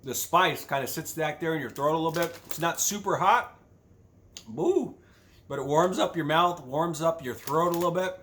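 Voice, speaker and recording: A man's voice: fairly high pitch, fairly quick, hardly any pauses, a bit bright, a little hiss or hum. A man hosting a casual food review, chatting as he tastes crunchy chips. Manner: talks while tasting crunchy chips. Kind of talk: casual product review chat.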